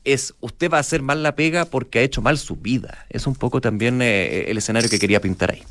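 A man's voice: mid-range voice, fast, a bit bright, no echo, clean studio sound. Chilean man in rambling talk-radio commentary. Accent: Chilean Spanish. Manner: rambling, restarts often, thinks aloud. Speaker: radio show co-host. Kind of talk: morning news commentary.

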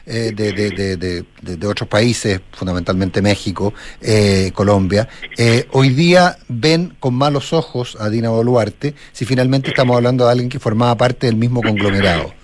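Halting male radio interviewer. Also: on the low side. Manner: halting, many fillers and repeated words.

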